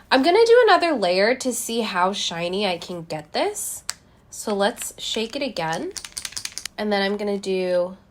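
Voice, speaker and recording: Young woman, beauty vlogger, chatty, slightly congested, close camera mic, small room. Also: mid-range voice. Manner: chatty, talks to viewers while applying lipstick. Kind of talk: casual product review.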